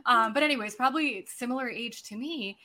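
A woman's voice: fairly high pitch, a little fast. Woman, forties, from Serbia, chatty, laughs easily, natural conversational delivery. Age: 40s. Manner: animated storyteller, laughs easily, many fillers. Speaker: podcast guest. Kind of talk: conversational business talk.

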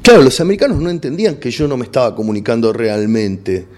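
A middle-aged man with an Argentine accent speaks in a mellow, darkish voice. He tells his story frankly and keeps circling back over words while hunting for the right one. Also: medium pitch, fast. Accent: Argentine Spanish. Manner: frank, repeats words and restarts while searching for words. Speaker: stand-up comedian guest. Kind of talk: casual interview chat.

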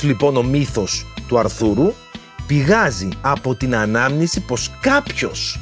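A man's voice: mid-range voice, fairly bright tone. A man hosting a history video, explaining legends in a playful, slangy way full of jokey asides.

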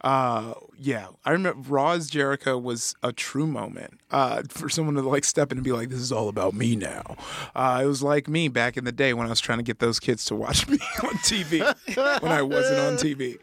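A man's voice: medium pitch, expressive, moderate pace, fairly bright tone, a little hiss or hum. A man on a podcast panel chatting casually and telling anecdotes in a conversational way.

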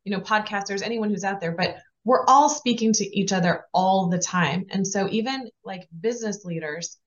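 A woman hosting a podcast interview, reflecting warmly and affirming her guest. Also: medium pitch, moderate pace, highs cut off. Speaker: podcast host. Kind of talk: conversational interview.

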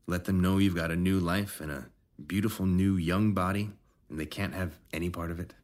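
An actor playing a probing, officious rejuvenation officer in an audio drama, measured and insinuating. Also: male voice, low voice, fairly even intonation, darkish tone, lightly acted. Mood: needling.

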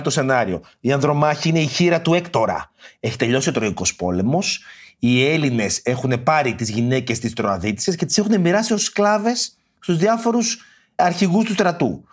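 A man hosting a podcast about ancient tragedy, telling the stories in a casual way with slangy, mock-indignant asides. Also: on the high side. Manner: reads verse quotes in theatrical voices. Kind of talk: casual storytelling lesson.

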